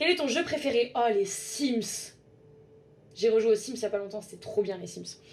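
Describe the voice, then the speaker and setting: A woman's animated tone, fairly high in pitch, with lively intonation over noticeable background noise. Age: 20s. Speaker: live streamer. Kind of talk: casual chat.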